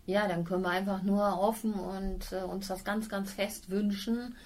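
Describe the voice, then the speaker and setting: A woman hosts a local radio interview, welcoming her guests and encouraging them to talk. Her voice sits at an ordinary middle pitch. A faint background hiss runs under her speech. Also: steady tone, moderate pace. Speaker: radio show host.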